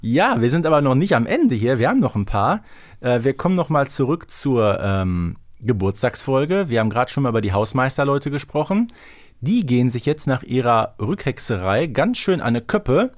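Lively male podcast host. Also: medium pitch, moderate pace. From Ruhr area, Germany. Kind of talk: casual chat.

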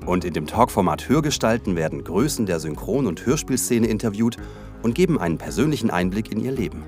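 A man's voice: fairly low pitch, brisk. A man co-hosting a podcast, reading the scripted outro in an upbeat way. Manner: lively, upbeat announcing. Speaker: podcast co-host. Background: music.

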